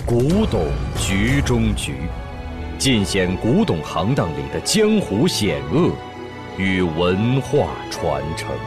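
A man narrates a dramatic story introduction in a low voice. He takes his time over each phrase, and music plays clearly behind him. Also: very animated, takes it slowly. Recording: music under the voice.

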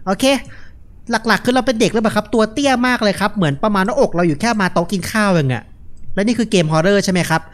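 A young man gives casual, joking horror game commentary, relaxed and unafraid, speaking into a headset mic. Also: sits high, quick pace. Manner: laid-back, joking, unafraid. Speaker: gaming video host.

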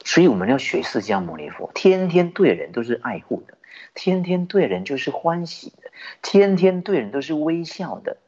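A man who is a Buddhist teacher, giving a sermon with lively storytelling and rhetorical questions. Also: a little high, moderate pace. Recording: dull lo-fi recording.

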